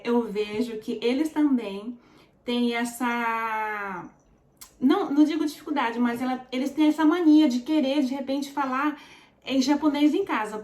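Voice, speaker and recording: In a roomy-sounding space, a Brazilian woman in her forties vlogs in a casual, chatty manner, sharing her story. Her voice is on the high side and a touch mellow, with a Brazilian Portuguese accent. She peppers her talk with fillers and calls her viewers "gente."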